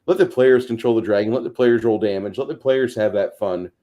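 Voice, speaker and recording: On a tabletop gaming talk show, a man chats casually about game mastering, blunt, profane and emphatic, acting out imagined quotes. His voice is lowish and warm, and he talks a little fast.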